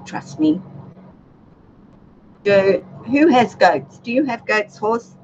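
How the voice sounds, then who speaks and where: A woman with a soothing voice, hosting a relaxed livestream chat with her viewers, gentle and chatty with many fillers. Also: on the low side. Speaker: YouTube channel host. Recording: dull lo-fi livestream audio with faint noise.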